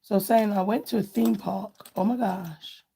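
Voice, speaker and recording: A slightly hoarse woman chatting casually and affectionately on a live nail art stream, often thinking aloud as she works. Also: mid-range voice, fairly even intonation, measured pace, mellow, slight background noise. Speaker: nail art livestream host. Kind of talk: casual live chat while doing nails.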